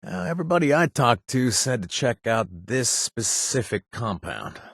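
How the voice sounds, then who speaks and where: A man's voice: medium pitch, sing-song, moderate pace, a bit bright, slightly rough, no echo, studio quality, full character voice. A young man voicing a sly, sarcastic male wasteland drifter in a video game, with a hesitant offhand delivery full of trailing asides. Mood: wry. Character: wry shady male wasteland drifter, joking and evasive. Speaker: game companion character. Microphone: close studio mic.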